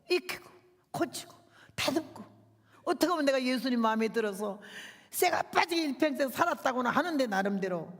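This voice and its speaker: An older woman, a visiting missionary, preaching a revival sermon in a fiery, emotional, rambling way. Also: on the high side. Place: church sanctuary. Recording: long church hall reverb.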